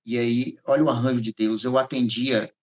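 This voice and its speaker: A podcast guest from Goiás, speaking with a Brazilian accent, shares a personal testimony as an animated storyteller, acting out dialogue and repeating phrases. His voice is medium-pitched at a moderate pace.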